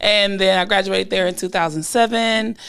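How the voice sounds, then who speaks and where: A woman's voice: mid-range voice, normal speed, vocal fry. A middle-aged woman from Texas, born in California, talking casually as a podcast guest and laughing easily. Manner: relaxed, laughs easily, talks in loose runs. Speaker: guest, retired Olympic athlete. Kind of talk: casual interview chat.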